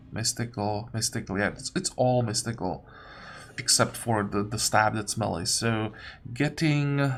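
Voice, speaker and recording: A man giving casual gameplay commentary, thinking aloud as he deliberates step by step. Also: mid-range voice. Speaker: gamer narrating own playthrough. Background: game music.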